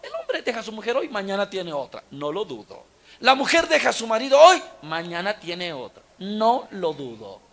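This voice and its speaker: High-voiced preacher. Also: male voice, big pitch swings, fairly quick, creaky, fairly bright tone. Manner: dramatic, acts out dialogue, exhorting. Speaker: Catholic preacher. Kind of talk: storytelling sermon.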